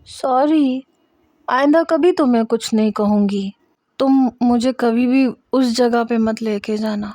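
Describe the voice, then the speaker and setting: Brief: woman playing a tearful, childlike young wife, high and pleading, storybook reading. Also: warm tone, no room sound, studio quality, close to an everyday voice. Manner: pleading, crying.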